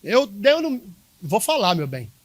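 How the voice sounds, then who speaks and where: His high-pitched voice swoops wildly while keeping a moderate pace. The pastor, speaking Brazilian Portuguese with a Minas Gerais accent, preaches forcefully to the congregation and says things over and over.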